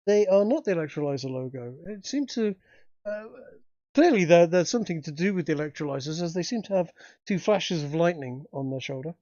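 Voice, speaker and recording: A man's voice: a little high, expressive, mellow, no echo. Male GM, upper register, stop-start narration, lo-fi dry recording. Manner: halting, many restarts and fillers. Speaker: game master. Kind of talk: narrating a tabletop game.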